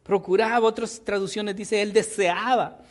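A man's voice: high voice, normal speed. A man preaching a sermon, joking with the congregation and often asking for agreement. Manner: animated, jokes with the congregation, tag questions.

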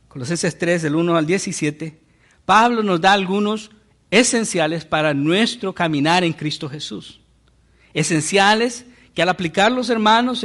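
A man's voice: high voice, a bit bright. A man preaching a sermon as pastor, teaching with rhetorical questions.

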